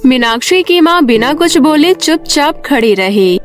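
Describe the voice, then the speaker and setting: Woman storyteller for a children's cartoon; high, even narration with faint music. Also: unhurried.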